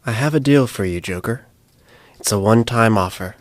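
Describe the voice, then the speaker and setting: A cool young schemer, played by a man in an audio drama, speaking low and close in a dry studio. He is controlled and deadpan, bargaining with quiet calculation. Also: moderate pace, dry recording, natural voice. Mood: calculating.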